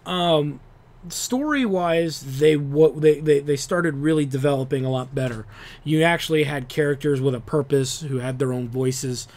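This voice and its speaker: A man with a slightly higher voice rambles about old games in a loose monologue. He swears freely and keeps restarting his sentences. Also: normal speed, a little mellow. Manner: rambling, profane, restarts often. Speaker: video game talk show host. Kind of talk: casual monologue.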